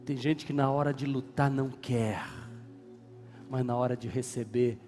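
A man preaching a sermon as pastor, with a Brazilian Portuguese accent, swinging between hushed and shouted passages. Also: mid-range voice, steady tone, a little slow. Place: church hall. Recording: reverberant church hall with music.

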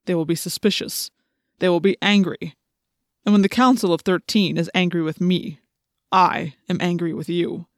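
A woman's voice: fairly low pitch, steady tone, moderate pace, no echo, clean studio sound, close to an everyday voice. Woman voicing a cold, menacing alien warlord. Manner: menacing, imperious orders.

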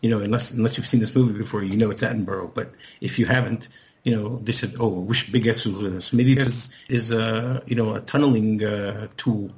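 Male co-host, husky low voice, rambling and chatty. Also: steady tone, a little fast, a little mellow. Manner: rambling, thinks aloud with repeated words and chuckles. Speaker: podcast co-host. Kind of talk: casual podcast chat.

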